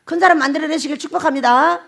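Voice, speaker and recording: A middle-aged woman pastor preaching a sermon in an animated way, laughing often and putting questions to the congregation. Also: high voice, rapid-fire, creaky.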